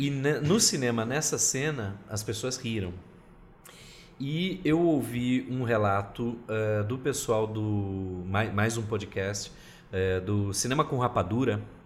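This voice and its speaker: A man's somewhat breathy voice at medium pitch, very slow pace, ordinary pitch variation, and audible room echo. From interior of São Paulo state, Brazil. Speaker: podcast host. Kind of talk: casual discussion.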